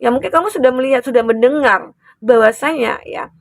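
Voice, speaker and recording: A woman giving a collective tarot reading, advising the listener gently and filling pauses with a soft "ya". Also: high voice, creaky, no room sound, studio quality. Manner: soothing, advising, with frequent tag "ya". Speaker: tarot reader.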